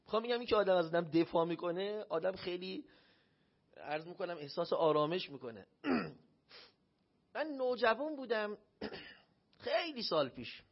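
A high-pitched preacher swings widely in pitch and leaves long pauses as he delivers a sermon in a shrine hall. He tells a personal story, voicing the people he quotes, and the recording is dull and lo-fi.

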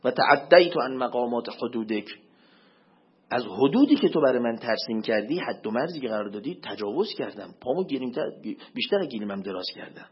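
A man giving a religious lecture as a preacher, swinging between loud emphatic questions and low murmured asides. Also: lively intonation, slightly rough. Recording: dull lo-fi recording.

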